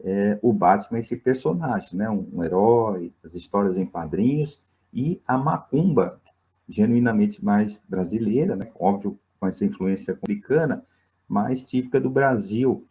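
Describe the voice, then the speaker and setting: A man's voice: on the low side, moderate pace, warm tone. A man with a Brazilian accent teaching a recorded history lesson, talking conversationally with many fillers and questions to his students. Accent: Brazilian Portuguese.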